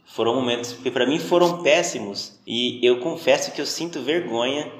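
A man's voice: medium pitch, moderate pace. Brazilian man in a roomy voice message. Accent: Brazilian, interior São Paulo. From Ribeirão Preto, Brazil. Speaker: listener sending in a voice message. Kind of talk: casual personal storytelling. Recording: roomy, faintly noisy voice message.

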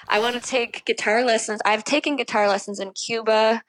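A woman's voice: fairly high pitch, fairly even intonation, a little fast, a bit bright, dry recording, poor audio. A woman musician who grew up in the Dominican Republic, chatting casually as a guest and laughing often. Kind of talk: casual interview chat.

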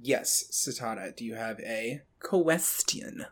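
A man running a tabletop horror game as game master, setting scenes with slow, deliberate, drawn-out narration. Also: mid-range voice, animated, a bit bright.

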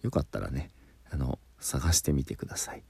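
Low slow guy patiently walking thru pronunciation, dark mellow voice, dry close sound. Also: creaky, husky, dry recording. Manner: patient, explains step by step, demonstrates sounds. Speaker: pronunciation teacher. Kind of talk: spoken lesson.

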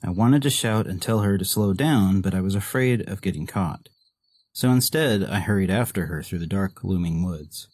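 A man's voice: low-pitched, moderate pace, darkish tone, no room sound. A man narrating a horror story in a somber, reflective tone. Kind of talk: scripted narration. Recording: narration over music.

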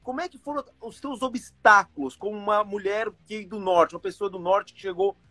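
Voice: mid-range voice, fairly quick, bright, forceful tone, no room sound. An interviewer who asks long, rambling questions and keeps encouraging the guest with short replies. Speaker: interviewer, host. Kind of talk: casual interview.

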